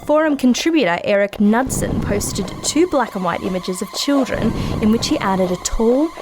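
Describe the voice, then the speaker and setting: A woman's voice: fairly high pitch, lively intonation, moderate pace, background noise, lightly acted. A woman playing a curious, wry podcast host in a conversational, naturalistic audio drama style. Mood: measured, wry.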